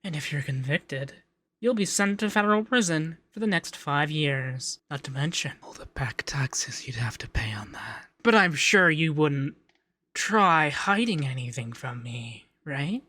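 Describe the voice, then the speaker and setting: Man acting a bright-voiced, coy, effeminate young accountant. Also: on the high side, lively intonation, a little slow, exaggerated voice. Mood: quietly menacing. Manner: coy, teasing, lilting, hesitant in places. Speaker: ASMR voice actor. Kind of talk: ASMR roleplay.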